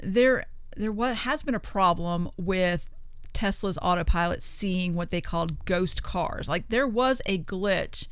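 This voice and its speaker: A woman co-hosting a podcast, talking casually and informally in an agreeable, measured way. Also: fairly low pitch, clean tone, no room sound. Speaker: podcast co-host. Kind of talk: casual conversational storytelling.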